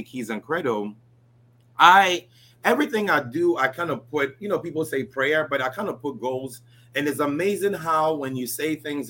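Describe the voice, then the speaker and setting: A man in his forties from Ghana, a guest telling his life story in a relaxed interview, filling his talk with "you know" and "right?". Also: medium pitch, slight background noise, low-quality recording. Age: 40s.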